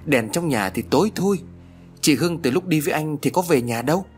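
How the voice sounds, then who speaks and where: Male narrator doing a scared young woman, higher and lively, anxious and urgent, faint music under. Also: a little fast, natural voice. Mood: worried. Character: frightened young woman searching for her sister.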